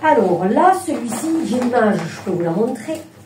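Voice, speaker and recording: Backed by music and audible room echo, a woman speaks at a high pitch. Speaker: craft vlogger. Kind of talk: casual chat. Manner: halting; loud.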